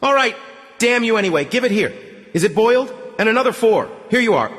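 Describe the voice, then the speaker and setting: A man's voice: sits high, lively intonation, a little fast, fairly bright tone, pitched above the performer's own voice. A man voicing a brash, crude streetwise broker who wheedles and haggles, in a reverberant audiobook reading.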